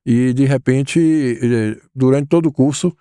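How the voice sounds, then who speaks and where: A man, a guest recalling his life in a thoughtful, hesitant way with many pauses and fillers. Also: mid-range voice, warm tone, smooth, no room sound, clean studio sound. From Salvador, Bahia, Brazil. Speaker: guest, educator. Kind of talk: relaxed interview conversation.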